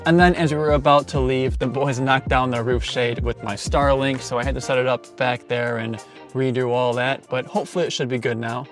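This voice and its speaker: A man's voice: mid-range voice, steady tone, a little fast, faint music behind. A man talking casually to the camera as a road trip vlogger, rambling loosely and chuckling often. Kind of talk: casual vlog chat.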